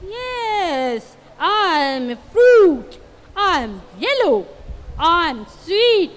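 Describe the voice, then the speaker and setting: A woman with an Indian English accent voicing an excited little female mango puppet in a children's shadow puppet show, squealing and sing-song. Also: very high-pitched, extremely slow, exaggerated voice. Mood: delighted. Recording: long hall reverb.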